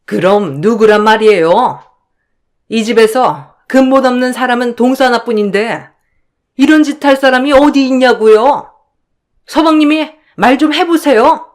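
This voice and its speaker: Woman doing a shrill, furious bullying sister-in-law. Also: normal speed, lightly acted. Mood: indignant. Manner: shrieking, accusing, insulting.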